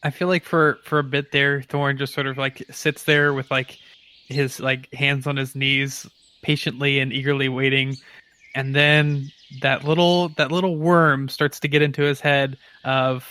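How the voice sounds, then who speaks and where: A man's voice: mid-range voice, little pitch movement, a little slow, sharp tone, clean tone. A man chatting and narrating casually as a player in a tabletop game, informal and a little hesitant.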